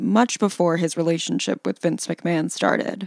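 Recorded very cleanly against a silent background, a woman's voice sounds dry and close with no echo. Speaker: podcast host. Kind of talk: scripted narration. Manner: animated.

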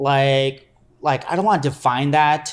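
A man talks at a moderate pace. He has an American accent. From Santa Barbara, California. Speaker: cultural archivist. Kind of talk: casual chat.

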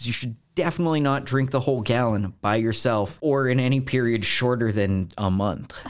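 The recording is very clean, with a silent background. A man talks at a fairly quick pace in a plain, everyday voice of medium pitch. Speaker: artist and musician. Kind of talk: interview.

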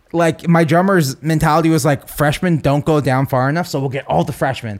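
In an American accent, a man with a normal speaking voice talks at a fairly quick pace, his fairly high pitch showing ordinary variation. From California, Santa Barbara. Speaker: podcast host and musician. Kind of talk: casual chat.

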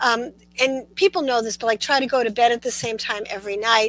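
A woman with a Boston accent talks at a fairly quick pace with fairly high pitch and ordinary pitch variation, the recording very clean against a silent background. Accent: Boston, noticeable. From Boston, US. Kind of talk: casual interview chat.

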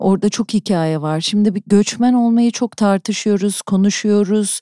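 A woman's dark, mellow tone at a medium pitch, with ordinary pitch variation and a fairly slow pace, in dry, close sound with no echo. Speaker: podcast host. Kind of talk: casual interview chat.

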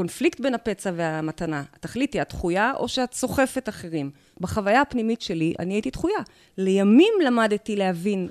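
In a plain, everyday voice, a woman with a medium pitch speaks with lively intonation against a quiet background. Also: moderate pace, dry, close sound with no echo. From Israel, Haredi upbringing. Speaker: author and spiritual teacher. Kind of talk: guided visualization; podcast interview.

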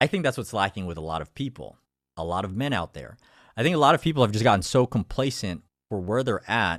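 In a very clean recording with a silent background, a man talks in an energetic tone with lively intonation. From Philippines, moved to US in the 1990s as a child. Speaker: podcast host and mindset coach. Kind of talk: motivational monologue. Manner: casual, energetic.

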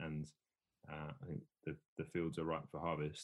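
A man speaks in a southern English accent. His pitch is very deep and low, and his intonation is fairly even. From England, Essex. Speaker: pastor. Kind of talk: interview conversation.

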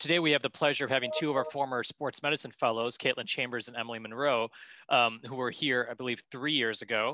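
A man talks very fast in a medium pitch, his tone bright and sharp and his intonation fairly even. The recording is very clean with a silent background, and the sound is dry and close with no echo. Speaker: podcast host, sports medicine doctor. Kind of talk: casual interview.

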